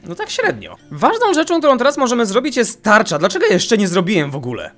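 A young man hosting a gaming channel, giving casual let's-play commentary and jumping into high yelps whenever he gets startled. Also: fast. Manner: excitable, jumps to high-pitched yelps when startled. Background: game music.

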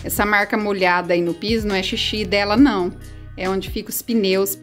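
A woman in her thirties from Brazil, filming a casual home vlog on a handheld phone and chatting warmly with her viewers, full of diminutives. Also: mid-range voice, steady tone, normal speed, faint music behind. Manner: chatty and affectionate, many diminutives, baby talk to her pets. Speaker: vlogger. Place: small house, indoors and on the porch.

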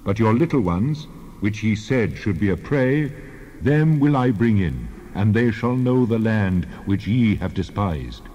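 A stern, wrathful God passing judgment in a Bible drama. The voice is low, dark and declamatory, measured in delivery, and rings in a long hall reverb. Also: male voice, animated, lo-fi sound.

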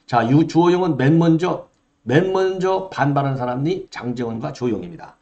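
An older man delivers political commentary in an emphatic, insistent way, firing off rhetorical questions and dropping short affirmations between points. His voice sits a little higher than most men's. The recording sounds muffled and lo-fi. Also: lively intonation, moderate pace, dark tone. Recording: dull lo-fi sound.

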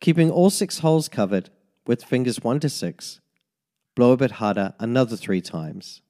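In a warm, mid-range voice with lively intonation, a male music teacher narrates a tin whistle lesson. He explains the fingering methodically, one slow step after another, as a voice-over.

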